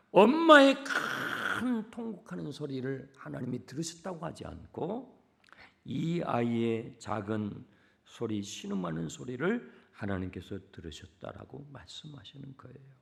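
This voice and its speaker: A middle-aged male pastor preaching a sermon, moving from hushed whispers to loud cries and acting out the voices he quotes. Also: a little high, gravelly. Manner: dramatic, swings from hushed whispers to shouting; acts out quoted voices in the telling.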